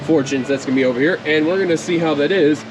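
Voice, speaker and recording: A man's voice: on the high side, quick pace. A man hosting a casual theme park vlog, chatting to the camera. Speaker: vlog host. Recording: roomy sound with clear ambient noise.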